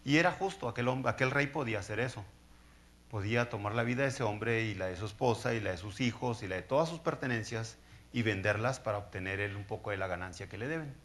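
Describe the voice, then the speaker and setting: A man's voice: on the low side, quick pace, fairly bright tone. A man preaching a sermon, telling the story in a conversational way and often checking in with his listeners.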